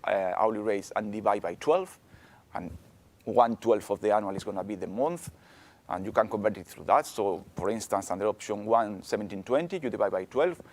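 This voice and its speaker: A man with a strong, slightly low voice explains rules in a webinar Q&A, building his points step by step with frequent restarts and hesitations. The sound is roomy and echoey, and he is picked up by a microphone some distance away. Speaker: expert presenter answering questions.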